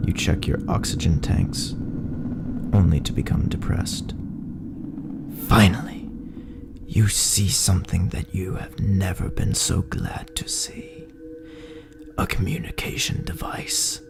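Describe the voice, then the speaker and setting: Gravelly, breathy, low-voiced male horror narrator. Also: noisy background. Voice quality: gravelly, breathy, often dropping toward a whisper. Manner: ominous, drawn-out, dramatic phrasing. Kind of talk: scripted dramatic sci-fi horror story narration in second person. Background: music.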